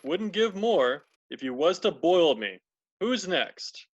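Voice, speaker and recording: A man's voice: high-pitched, expressive, slow pace, lo-fi sound, a little hiss or hum. A man playing a shrewd, grasping old rag-and-bone dealer in an amateur dramatised reading. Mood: haggling, gruff. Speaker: library staff reader in a play.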